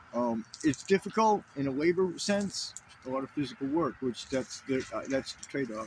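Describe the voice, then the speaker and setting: This man talks in a Maine accent at a fairly high pitch. His pace is moderate and his intonation lively. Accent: New England (Maine) US English. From Maine, US. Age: 60s. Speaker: Buddhist video host. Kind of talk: casual monologue. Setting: outdoors at a camp. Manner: halting, many fillers.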